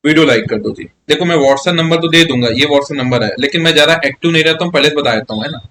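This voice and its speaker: Chatty maths teacher, slightly high voice. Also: male voice, fast, bright, forceful tone, a little hiss or hum. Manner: chatty, coaxing, keeps asking students "yes or no?". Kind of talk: live online maths class.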